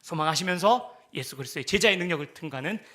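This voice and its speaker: Bright high-voiced male pastor preaching. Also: animated, quick pace. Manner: acts out quoted voices of God and believers, swinging loud and soft; drops to a breathy near-whisper at the ends of points. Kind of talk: sermon.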